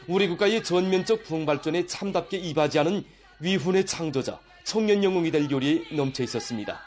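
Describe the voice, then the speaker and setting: A man's voice: a little high, lively intonation, brisk, a little mellow. A man with a North Korean accent reading scripted news narration in a solemn, declamatory manner. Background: faint music.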